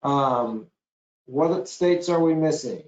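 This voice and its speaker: Slow-talking man moderating in an echoey room. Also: on the high side, animated. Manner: slow, deliberate, reads from chat. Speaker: meeting moderator. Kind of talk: moderating a virtual meeting. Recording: roomy, muffled call audio.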